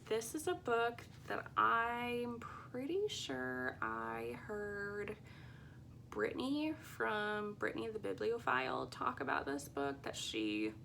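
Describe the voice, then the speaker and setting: Woman, slow unhurried pace, creaky fry, casual chatty vlogger, hesitant and rambling, faint rumbly background noise. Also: a bit bright. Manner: hesitant, rambling, often unsure. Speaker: book vlogger. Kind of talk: casual, chatty book list talk to viewers.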